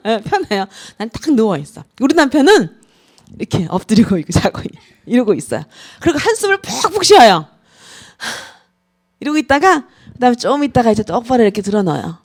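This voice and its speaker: A woman in her forties speaks at a student retreat as a pastor's wife. Her voice sits fairly high and swings widely in pitch. She tells her stories lively and acts out the quoted lines. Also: fairly quick. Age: 40s. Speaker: pastor's wife giving a talk.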